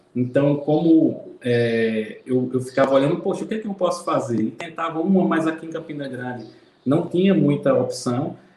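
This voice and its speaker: Lively intonation marks a man's fairly high-pitched speech at a moderate speed. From Paraíba, Brazilian Northeast. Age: 30s. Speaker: psychologist and Paralympic shot-put athlete. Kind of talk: casual interview chat.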